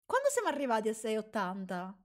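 A woman's voice: a little high, huge pitch swings, fast. A young woman chatting casually with her chat while playing a game, jokey and prone to startled shrieks. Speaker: streamer. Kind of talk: casual live gameplay chat.

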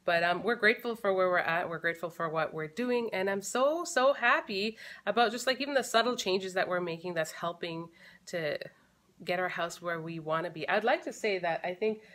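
A woman's voice: fairly low pitch, a bit bright. Chatty woman vlogging at home. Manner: chatty, thinks aloud with fillers and restarts. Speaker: family vlogger. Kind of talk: casual chat to camera. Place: living room at home. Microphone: camera close in front.

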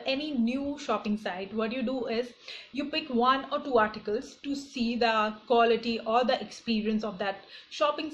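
High-voiced young Indian-accented woman vlogger. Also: a bit bright. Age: young adult. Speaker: online shopping vlogger. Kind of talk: casual explanatory vlog talk to viewers. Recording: dull lo-fi phone audio, clear background noise.

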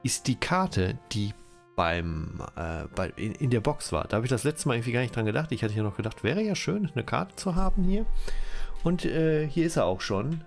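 A man's voice: medium pitch, very animated, normal speed, gravelly, soft background music. A German-speaking man with a cold, giving rambling, self-correcting commentary while playing a strategy game. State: has a cold, coughing. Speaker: let's-play host.

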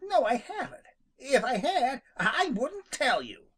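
A storybook narrator voicing a timid, indignant young male rabbit in a high, excited voice. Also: unhurried, husky, full character voice.

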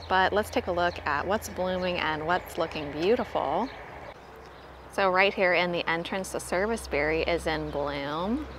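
A woman's voice: lowish voice, noisy background. A middle-aged American woman gardening vlogger, chatting directly to viewers as she shows plants in a casual tour style. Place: home garden outdoors and inside the house.

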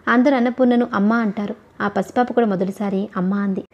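A woman narrating a novel as an audiobook reader, in a steady, even storytelling manner. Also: mid-range voice, fairly quick, lo-fi sound.

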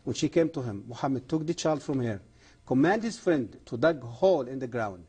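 Man, middle-aged, TV guest, fervent testimony, halting non-native English, husky, mellow. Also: mid-range voice, lively intonation. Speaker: guest, former imam. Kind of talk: earnest testimony on a TV program.

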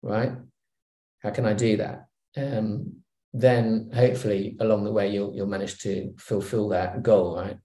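A middle-aged man from Hong Kong, a guest on a video call interview, speaking in a relaxed, reflective way with many fillers and restarts. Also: fairly low pitch, a little slow. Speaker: guest executive. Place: home room. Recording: roomy video call audio.

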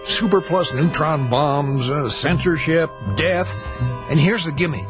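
An actor playing a smooth, scheming male film director who hides a menacing purpose, in a radio drama. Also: on the high side, a little slow, close to an everyday voice. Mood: ingratiating. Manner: boisterous, ingratiating host turning menacing. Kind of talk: 1980s radio drama acting. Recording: radio play with music behind.

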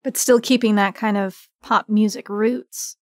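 A woman's voice: mid-range voice, fairly even intonation, measured pace, no room sound, clean studio sound. A woman hosting a casual roundtable chat and asking questions in a playful, teasing way. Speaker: interviewer, roundtable host.

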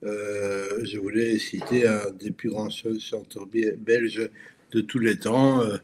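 A man's voice: on the low side, little pitch movement. A man born in Belgium presents slides to an online audience, and his delivery stumbles often, with restarts and fillers between phrases. He speaks over a video call with a faint noise behind him. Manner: halting, many restarts and fillers. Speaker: guest speaker. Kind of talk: webinar presentation.

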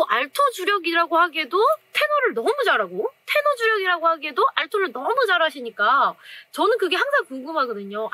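A woman's voice: very high voice, sharp tone, dry recording. A young woman hosting an interview in an indoor studio, asking polite, eager questions. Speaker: host, saxophone teacher. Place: indoor studio with curtain backdrop. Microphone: off-camera mic, seated two-shot.

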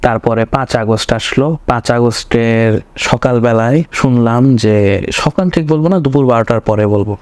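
A young man with a voice slightly hoarse from a cold, talking through his thoughts in a rambling home vlog and often correcting himself. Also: mid-range voice, darkish tone, no echo. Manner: rambling, self-correcting, searching for words. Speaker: vlogger. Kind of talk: casual personal vlog commentary. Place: home room.

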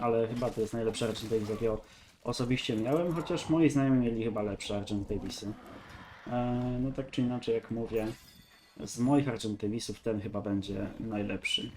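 A man's voice: mid-range voice, darkish tone, a little hiss or hum. Stuffy-nosed man commentating a game. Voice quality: nasal, stuffy nose. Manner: rambling, thinking aloud. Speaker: gaming video host. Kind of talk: casual gameplay commentary.

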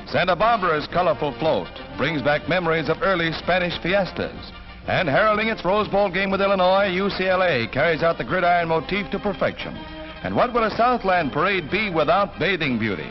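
A man narrating a flower parade in bright, showy old newsreel style. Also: sits high, animated, brisk. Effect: old newsreel soundtrack. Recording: dull old newsreel sound with music.

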